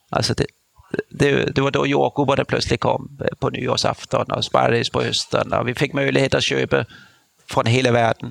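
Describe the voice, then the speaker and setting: Recorded dry and close with no echo, a man talks at a moderate pace with very even loudness. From outside Sweden. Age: 50s. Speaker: chef and restaurant owner. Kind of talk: interview. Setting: restaurant.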